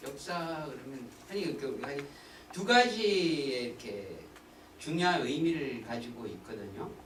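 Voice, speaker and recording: A man talks at a fairly slow pace, his fairly high pitch swinging very widely. Room echo is audible, along with noticeable background noise. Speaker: seminary professor. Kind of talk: lecture.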